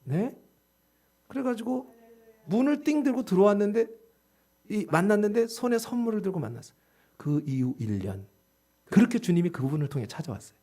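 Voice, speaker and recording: A pastor delivers a passionate sermon in a high, bright voice that leaps up and down in pitch. He fires rhetorical questions at his congregation and swings from ringing exclamations to quiet, drawn-out asides. Lively and insistent throughout. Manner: swings between loud exclamations and hushed, slow asides.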